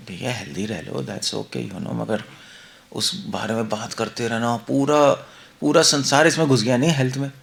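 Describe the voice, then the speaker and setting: A man's voice: medium pitch, fairly even intonation, moderate pace, gravelly, a bit bright. A male monk giving a conversational scripture class, mixing Hindi and English, asking the listeners rhetorical questions. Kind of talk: Hindi-English devotional lecture.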